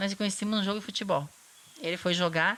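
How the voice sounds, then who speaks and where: A woman talks at a medium pitch amid noticeable background noise. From Brazil, Paraná, Rio Azul. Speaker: pesticide-poisoned former tobacco farmer. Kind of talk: documentary interview testimony.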